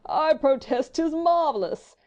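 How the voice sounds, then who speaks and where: A woman's voice: high-pitched, expressive, unhurried, a little mellow, dull audio, voice pushed up. A woman voicing a lazy, foppish English baronet who drawls with bland, imperturbable good humour, in an audiobook story. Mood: good-humoured wonder.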